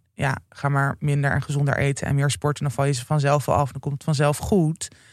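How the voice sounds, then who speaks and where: Her pitch sits very deep and low for a woman as she talks. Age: 30s. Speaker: author. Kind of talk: interview.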